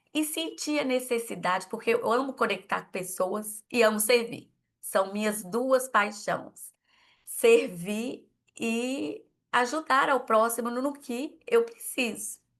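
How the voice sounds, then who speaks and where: In a quiet background, a woman speaks at a very slow pace with a fairly high pitch and ordinary pitch variation. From Minas Gerais, Brazil (Belo Horizonte). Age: 40s. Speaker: affiliate salesperson. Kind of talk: testimony.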